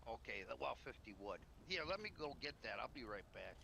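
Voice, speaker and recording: A man's voice: mid-range voice, sing-song, a little fast, gravelly, sharp tone. A man chatting in character in an online roleplay game, explaining things in a chatty way. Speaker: roleplay gamer playing a trader. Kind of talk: improvised in-character casual chat. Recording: noisy game voice chat.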